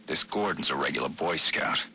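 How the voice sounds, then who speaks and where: An actor playing a laid-back black-market arms dealer in a video game, talking casually in clipped phrases. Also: male voice, rumbling low, normal speed, bright, forceful tone, slight background noise, heavily acted. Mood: matter-of-fact, shady. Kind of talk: video game voice acting, audio log.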